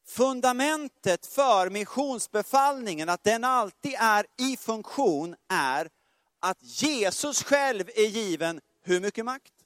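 A man with a fairly high voice preaches with lively swings between booming exclamations and hushed, slow lines. He keeps putting questions to his listeners, and the sound is dry and close. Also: no echo. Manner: animated, swings between loud exclamations and soft slow phrases; asks the congregation questions and jokes. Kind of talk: sermon.

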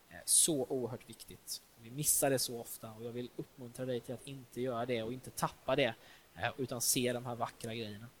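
A man's voice: medium pitch, fairly bright tone. A man preaching a sermon in a church, talking informally with fillers and restarts.

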